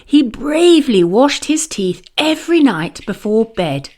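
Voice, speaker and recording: Slow, animated woman storyteller. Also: fairly high pitch. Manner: expressive, deliberate read-aloud. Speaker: children's story narrator. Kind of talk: scripted storybook narration.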